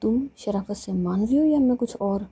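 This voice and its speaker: A woman's voice: mid-range voice, expressive, normal speed, dark tone, breathy edge. A woman voicing a bossy, possessive young woman who teases and gives orders, in a storybook reading. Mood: commanding. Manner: teasing, commanding.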